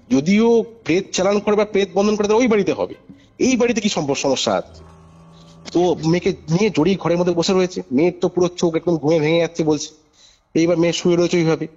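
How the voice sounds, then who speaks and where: High-pitched and quick, with a touch of mellowness, this male caller animatedly tells the story of a paranormal case. He leans on repetition and emphasis and checks in with the listener, all through a muffled phone line with music in the background.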